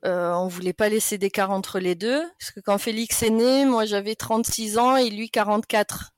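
A woman's voice: mid-range voice, steady tone, moderate pace, dry recording, studio quality. A woman in her late thirties from France, a podcast guest chatting casually and laughing often between sentences. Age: 30s. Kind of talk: casual interview chat.

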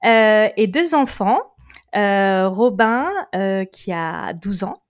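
A French woman who works as a lawyer chats as a guest in a casual interview, speaking slowly at a medium pitch. She laughs often and frequently restarts her sentences.

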